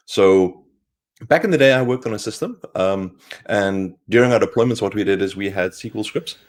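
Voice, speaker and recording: A man co-hosting a casual tech livestream, hoarse from a cold, explaining things in a rambling way with lots of fillers. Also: on the low side, brisk. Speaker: co-host.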